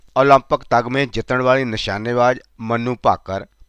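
A man's unremarkable speaking voice, medium in pitch, with fairly even intonation and a dry, close sound with no echo against a quiet background. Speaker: news anchor. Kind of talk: news reading. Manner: formal, steady, brisk read-aloud delivery; dense run-on sentences with few pauses.

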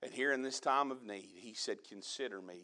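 A man's bright, sharp voice in a Kentucky accent, with ordinary pitch variation over a quiet background. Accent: US South (Kentucky). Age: 30s. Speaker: preacher. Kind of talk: sermon. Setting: church. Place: church.

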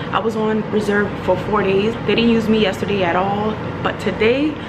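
A woman speaks fairly quickly. Behind her, music plays. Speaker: flight attendant vlogger. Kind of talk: casual vlog chat. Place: home room. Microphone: phone near.

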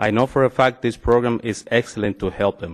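The speech has a Spanish accent and a fairly slow pace with ordinary pitch variation. The sound is dry and close with no echo. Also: man. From Mexico. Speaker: farm worker and adult literacy student. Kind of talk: public comment at council meeting. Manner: reading prepared statement.

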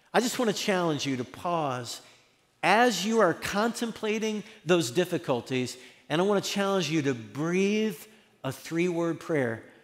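A man speaks with lively intonation while music plays in the background. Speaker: preacher. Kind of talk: sermon. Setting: church. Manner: earnest, teaching. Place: church. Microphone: headset.

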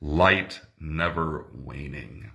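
A man's bright, sharp-toned voice against a quiet background. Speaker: pastor. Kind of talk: sermon-like Bible study talk. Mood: calm, reflective. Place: church. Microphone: phone near.

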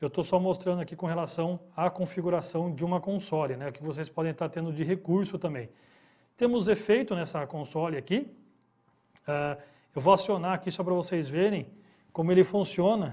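A man with a high-pitched voice and a dark, mellow tone speaks at a fairly quick pace with ordinary pitch variation over a quiet background. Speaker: audio technician. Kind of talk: tutorial.

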